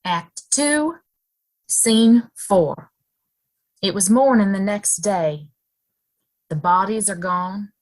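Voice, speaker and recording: A woman's voice: mid-range voice, very slow, long pauses. A woman reading stage directions as scripted narration for an audio play.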